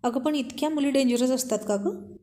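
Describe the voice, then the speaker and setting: A woman's voice: sits high, brisk, warm tone, lightly acted. A woman voicing a protective young male friend in a storybook reading, speaking in a worried, fussing way.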